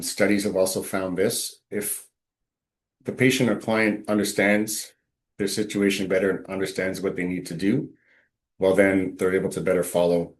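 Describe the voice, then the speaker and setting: Deep-voiced man presenting. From Quebec. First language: English. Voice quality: deep, measured, with frequent ums. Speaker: webinar presenter, patient navigation coordinator. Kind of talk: presentation with slides.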